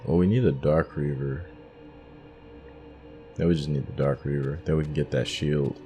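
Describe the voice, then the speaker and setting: Male gamer, extremely low voice, casual walkthrough delivery, reasoning out loud over background music. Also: fairly even intonation, normal speed. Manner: thinking aloud. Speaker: gamer giving a playthrough guide. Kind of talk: casual game playthrough commentary.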